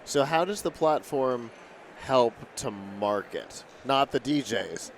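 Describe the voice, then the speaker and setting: A man's voice: medium pitch, expressive, slow pace. A man asking casual questions as an interviewer on site. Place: busy tech conference floor. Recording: noisy busy event with background ambience.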